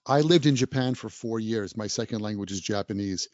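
Addressing the listener directly, a man who teaches English gives encouraging advice on his podcast in a fairly low, darkish voice at a fairly quick pace. The sound is dry, dull and a little lo-fi.

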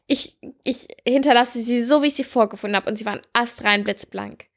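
A woman telling a story in casual podcast chat. She giggles often and rambles cheerfully. Her voice sits a little high. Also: brisk. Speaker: podcast co-host.

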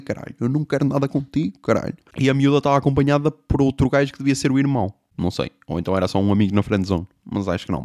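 A young man telling a comic story, animated, swearing and making sound effects. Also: mid-range voice, no room sound, studio quality. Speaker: podcast host.

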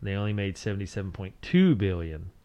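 Male co-host, somewhat deep pitch, wry and exasperated for effect, loose conversational banter. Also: very animated, a little fast, dark tone, lo-fi sound. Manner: sarcastic, mock-exasperated. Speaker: podcast co-host. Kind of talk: casual chat, banter.

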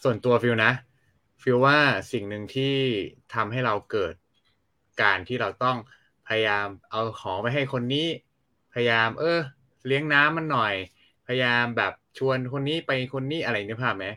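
A man shares his view in an easy, casual conversation. He speaks softly and at an ordinary pitch, often murmuring agreement. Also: normal speed. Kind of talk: casual chat.

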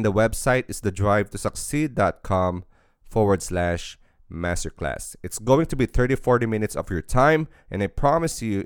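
A man's voice: on the low side, clean tone, no room sound, studio quality. A man hosting a podcast, giving an upbeat, salesy promotional intro and then questioning his guest. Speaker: podcast host.

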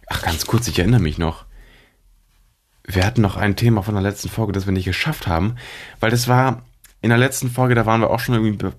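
A young man with a low-pitched voice and a congested nose talks alone as a podcast host. He rambles from thought to thought in loose, informal speech sprinkled with slang. His nose sounds stuffed up as he chats. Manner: informal German youth slang with English words. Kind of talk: rambling solo podcast chat.

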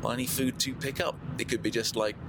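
A man's voice: mid-range voice, fairly even intonation, heavy background noise. English man narrating a travel podcast. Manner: measured, conversational storytelling. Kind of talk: documentary narration and travel diary.

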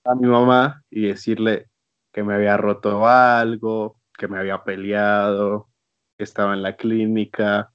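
Joking podcast host. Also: male voice, lowish voice, little pitch movement, unhurried, clear, resonant tone, dry recording, highs cut off. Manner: joking, teasing. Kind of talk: casual chat.

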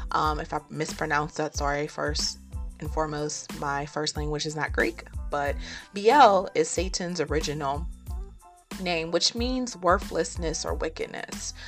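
A woman with a low, gravelly voice teaches the Bible in an earnest, chatty way. She fills her talk with ums and falls into preacherly rhymes. Faint music plays behind her. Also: a bit bright. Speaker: podcast host and teacher.

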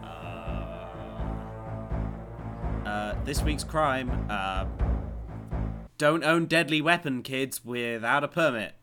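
A man's voice: mid-range voice, expressive, takes it slowly, long pauses, over music. A man co-hosting a casual news chat, joking in a dry way with plenty of ums and uhs. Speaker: podcast co-host.

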